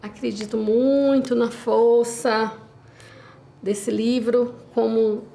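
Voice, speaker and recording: A woman's voice: fairly high pitch, flat delivery, takes it slowly, gravelly, mellow. A woman writer from Bahia, answering interview questions in an earnest, reflective way. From Bahia, Brazil. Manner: earnest, reflective, often seeks agreement. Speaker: independent writer.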